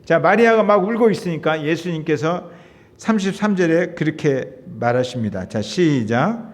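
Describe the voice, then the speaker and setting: A middle-aged male pastor preaching with a high, lively voice that swings up and down as he pleads and explains. He talks to his congregation in an emotive, conversational way. The sound has the long reverb of a church sanctuary. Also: moderate pace. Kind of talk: sermon.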